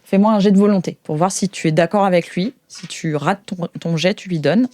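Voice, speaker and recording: A woman with a French accent improvising narration as game master of a tabletop role-playing game, thinking aloud in halting phrases. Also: on the low side, warm tone. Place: studio.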